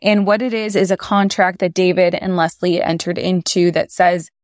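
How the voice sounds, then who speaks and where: A woman's voice: fairly low pitch, fairly even intonation, moderate pace, a little mellow, dry recording, clean studio sound. A woman hosting a podcast, giving conversational legal commentary in a blunt way. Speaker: podcast host.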